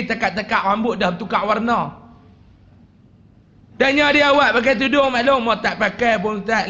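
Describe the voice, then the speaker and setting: A man, an animated religious teacher joking and shouting for emphasis at a desk microphone in a prayer hall. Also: very high-pitched, dull audio. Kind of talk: religious lecture to a congregation. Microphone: desk microphone on a stand.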